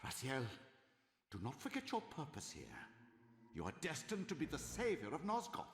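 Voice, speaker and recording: A sly old sorcerer in a game, higher voice that swoops around, grandiose, echoey. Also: male voice, wildly swooping pitch, moderate pace. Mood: reproachful. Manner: grandiose, pleading, theatrically sly. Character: cunning, manipulative old male sorcerer. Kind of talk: dramatic video game voice acting. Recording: echoey long reverb, game music behind.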